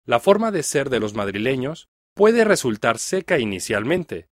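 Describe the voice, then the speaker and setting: A man's voice: mid-range voice, normal speed, no room sound, studio quality. Mexican man reading a scripted story. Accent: Mexican Spanish. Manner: clear, even read-aloud delivery. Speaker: reader of a listening text. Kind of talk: scripted first-person reading for learners.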